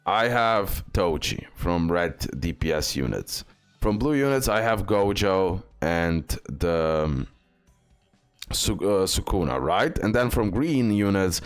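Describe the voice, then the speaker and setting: Gaming creator, male, lowish voice, eager and chatty, faint music underneath. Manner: excited, chatty, reads game text aloud. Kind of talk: casual game commentary.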